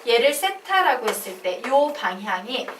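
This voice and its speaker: A woman's voice: fairly high pitch, sing-song, measured pace, background noise. A woman math teacher giving a classroom lecture, drilling students with call-and-response questions. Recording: echoey classroom, mic at a distance.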